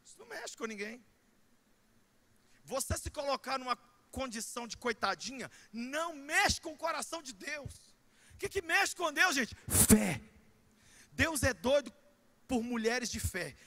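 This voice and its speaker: High, bright shouting Brazilian pastor. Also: male voice, moderate pace. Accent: Brazilian Portuguese. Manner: animated, shouting preacher with comic asides. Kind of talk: sermon. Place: church.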